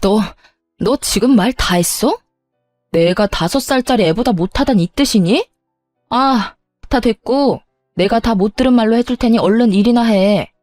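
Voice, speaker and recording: A woman's voice: on the high side, normal speed, darkish tone, no room sound, studio quality, faint music behind, lightly acted. A woman voicing a spoiled, bossy sister-in-law in a dramatized story, demanding and whiny. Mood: angry.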